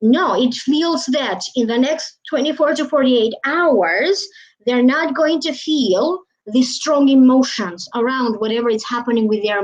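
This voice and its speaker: A woman hosts a casual live stream as a psychic reader. She rambles, fills her pauses with "uh," and lets her sentences trail off. Her voice sits high, and the stream audio sounds dull and muffled. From Albania. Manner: rambling, many fillers and trailing phrases.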